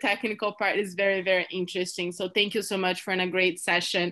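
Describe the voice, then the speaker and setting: Against a quiet background, a woman speaks at a fairly quick pace in a bright, sharp tone. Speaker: chamber of commerce executive and event MC; event MC. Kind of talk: formal event hosting. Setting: video call. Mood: cheerful, laughing. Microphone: video call.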